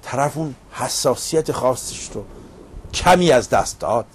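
A man's voice: medium pitch, animated, a little hiss or hum. A middle-aged man hosting a monologue show, recounting a debate in an emphatic storytelling manner. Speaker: host. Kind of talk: casual monologue. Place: Paris.

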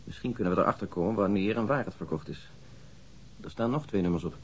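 An actor playing a brisk, methodical police detective in a radio drama, husky, factual and exact. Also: male voice, lowish voice, animated, a little hiss or hum, lightly acted. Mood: precise. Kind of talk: naturalistic Dutch radio drama acting.

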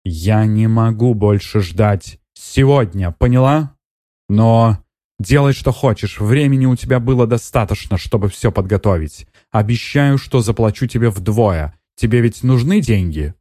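A man's voice: mid-range voice, sing-song, normal speed, few pauses, warm tone, dry recording, studio quality, voice pushed up. A male audiobook reader voicing a ruthless, domineering scheming woman with a harsh, commanding manner.

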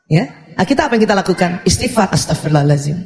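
A woman with an Indonesian accent giving a lively sermon on parenting, acting out parent-child exchanges with humor. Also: medium pitch, fast. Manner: animated, acts out parent-child dialogues with humor. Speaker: Islamic parenting preacher. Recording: echoey hall with long reverb.

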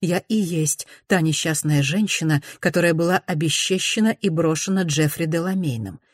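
A woman reader voicing a composed young woman who speaks quietly and firmly. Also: sits low, no echo, studio quality. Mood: calm firm. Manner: quiet, measured, restrained. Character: composed, proud young woman, firm and calm.

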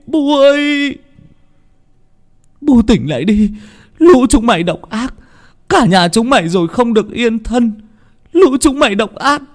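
Brief: poor young peasant man, anguished and wailing, strained high gravelly voice, as a male narrator puts him on. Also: full character voice.

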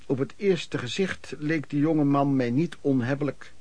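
An actor playing a hardworking itinerant peddler, looking back on his life in colloquial, reflective radio drama narration with a husky voice. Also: mid-range voice, moderate pace, a little mellow, no echo, lightly acted. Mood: matter-of-fact.

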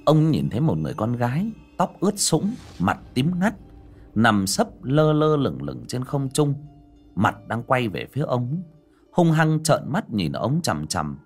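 A man's voice: medium pitch, big pitch swings, unhurried, slightly rough, soft background music. A man narrating a ghost story with dramatic, swooping delivery.

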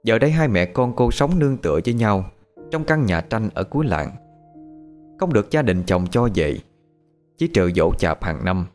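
Low-voiced man narrating a horror story. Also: moderate pace. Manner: steady storytelling with lively intonation. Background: faint background music.

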